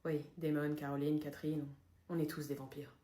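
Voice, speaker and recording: A woman voicing a brooding young male vampire in a comedy sketch, low and half-whispered. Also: little pitch movement, moderate pace, warm tone, lightly acted. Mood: solemn confession. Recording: roomy echo.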